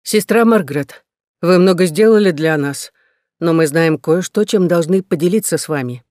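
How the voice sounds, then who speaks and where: A man's voice: fairly high pitch, moderate pace, a little mellow, dry recording, clean studio sound, lightly acted. A man voicing a determined young woman settler, speaking earnestly and persuasively.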